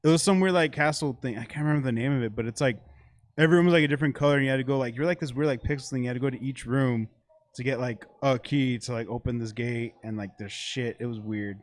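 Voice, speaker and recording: Man, podcast co-host, thirties, casual rambling chat, swearing, mid-pitched voice. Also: fast.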